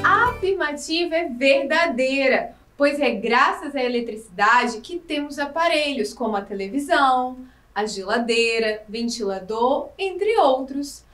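High, lively woman teaching young kids. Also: recorded from a distance, soft background music. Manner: slow, clear, encouraging teacher talk with questions to the pupils. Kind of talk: recorded lesson for young children. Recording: echoey room, voice from off the mic.

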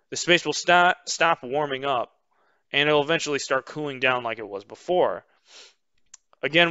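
Bright-voiced man explaining slides. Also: medium pitch, clear, resonant tone, no room sound, lo-fi sound. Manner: measured explanatory pace with frequent "um" fillers. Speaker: instructor. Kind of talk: webinar lecture over slides.

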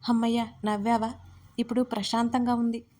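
A woman's voice: fairly high pitch, level tone, normal speed, lightly acted. A woman voicing a caring young woman who reassures her friend in an audio story. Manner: soft and reassuring.

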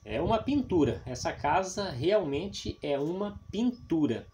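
A vlog host from Paraná, Brazil narrates a casual exploration of an abandoned roofless house and its overgrown grounds, filmed on a noisy handheld camera. His voice is a little high, very animated, unhurried, and dark. He chats to viewers and often tacks on tag questions.

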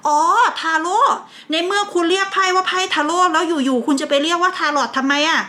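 A woman with a high, bright voice gives a casual tarot reading. She chats easily, laughs often and stretches out the names of the cards as she lays them down. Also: a little fast. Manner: chatty, laughs often, drags out card names. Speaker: tarot reader.

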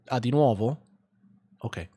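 A man's voice: mid-range voice, slow, mellow, breathy edge. A man streaming a game live, commenting sarcastically, swearing and mocking what he plays.

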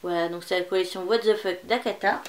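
A woman's voice: on the low side, fairly even intonation, brisk. A woman presenting manga in a casual unboxing vlog, chatty and rambling, with many fillers. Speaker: manga YouTuber.

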